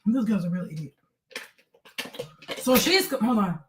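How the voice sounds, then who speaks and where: A woman's voice: mid-range voice, expressive, a little slow, noisy background. A woman vlogger reacting to a clip in casual commentary, blunt and sassy, talking straight to her viewers.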